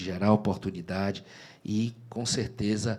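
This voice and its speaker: A man has a plain, everyday voice. It sits at a fairly low pitch with fairly even intonation. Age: 30s. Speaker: politician, state labour secretary. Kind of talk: interview.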